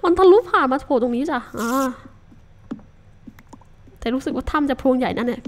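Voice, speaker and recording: Woman gamer host, high voice, chatty self-talk commentary with startled outbursts, faint noise and clicks behind. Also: brisk. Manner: chatty, talks to herself, soft polite particles, sudden startled shouts. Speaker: Minecraft let's-play host. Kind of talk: casual game commentary.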